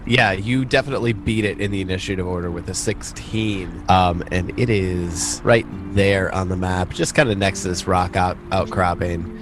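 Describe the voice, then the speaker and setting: A man's voice: low voice, steady tone, normal speed, noisy background. A man casually narrating a tabletop game as game master, in informal, sweary language.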